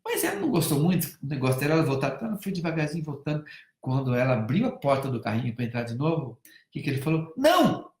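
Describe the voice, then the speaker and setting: A Brazilian man speaking as a family counselor in a live-stream talk, animated, swinging between loud emphasis and soft hushed tones and acting out bits of dialogue as he tells stories. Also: mid-range voice, racing, roomy sound. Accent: Brazilian Portuguese. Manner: acts out dialogue while telling stories.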